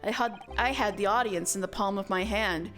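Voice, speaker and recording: A woman's voice: mid-range voice, normal speed, a bit bright, faint music behind, pitched below the performer's own voice, close to an everyday voice. A woman voicing a proud, melodramatic young man from a video game, speaking formally and full of self-pity. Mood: rueful. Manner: formal, theatrical, self-pitying. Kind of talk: reading game dialogue in character.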